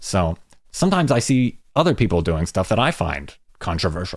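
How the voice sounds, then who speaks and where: A man with an American accent talks at a fairly quick pace, his pitch swinging very widely, on a very clean recording with a silent background. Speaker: YouTube channel host, live streamer. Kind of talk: live stream chat. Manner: halting, with restarts.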